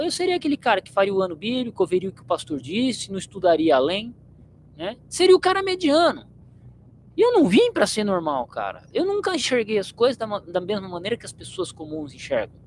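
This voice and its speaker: A man's voice: very high voice, a little hiss or hum, rough recording. A man from São state, hosting his channel in a blunt, slangy, rambling monologue to viewers. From São Paulo state, Brazil. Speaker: channel host.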